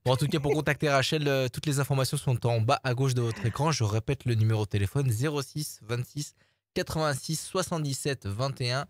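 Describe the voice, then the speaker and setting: Casting: male co-host for a live call-in show, casual presenting, mid-pitched voice, dry close sound. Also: fairly quick, no room sound.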